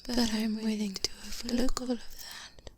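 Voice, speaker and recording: A woman, her voice on the high side and delivered flatly, performs a hushed ASMR roleplay as a courteous, quietly menacing vampire, protective and weary of the world. The mood is grave and wounded, and her speech is formal, deliberate, and measured like a diplomat's. It's recorded on a close binaural mic with clear background noise.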